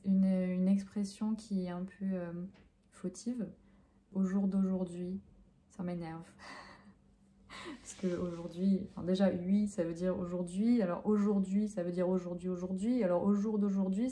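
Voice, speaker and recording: Very dark-voiced hesitant Frenchwoman. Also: mid-range voice. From France. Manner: hesitant, many fillers and self-corrections. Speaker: French teacher. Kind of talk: answering interview questions.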